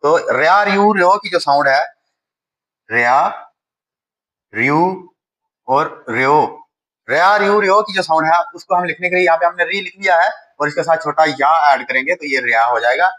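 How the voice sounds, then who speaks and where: A high, bright man's voice with a Pakistani Urdu accent, explaining a Japanese writing lesson step by step. He talks patiently, like a teacher at a whiteboard. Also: fairly quick, few pauses, low-quality recording.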